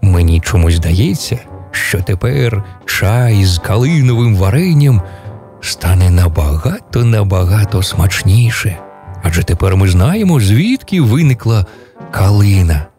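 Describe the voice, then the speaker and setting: A man telling a fairy tale to children on a radio program, in an animated, sing-song storytelling manner. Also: lowish voice, measured pace, soft background music.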